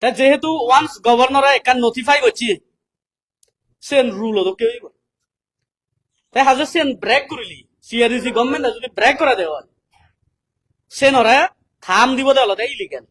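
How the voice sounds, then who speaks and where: A man with a South Asian accent giving a political public address, speaking deliberately as he reads out and explains points. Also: very high voice, a bit bright. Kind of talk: public address, reading English passages and explaining them.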